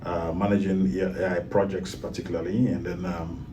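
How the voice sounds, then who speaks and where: A man's voice: low-pitched, level tone, moderate pace, far from the mic, lo-fi sound, noisy background. A man from Cameroon, a guest in a casual talk, speaking with many fillers and restarts. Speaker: guest, IT project manager.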